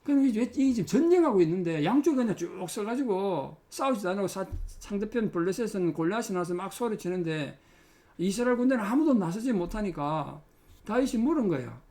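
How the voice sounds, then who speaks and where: A middle-aged man preaches with a notably high voice. His delivery is earnest and climbs into emphatic exhortation as he urges his listeners on. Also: lively intonation, a little fast, dark tone. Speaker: pastor. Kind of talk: sermon.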